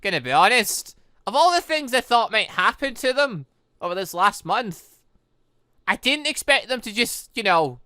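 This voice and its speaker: A gaming channel host giving animated, exclamatory playthrough commentary with rambling asides. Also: mid-range voice, moderate pace, no room sound, clean studio sound. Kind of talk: playthrough commentary mixed with reading game dialogue aloud.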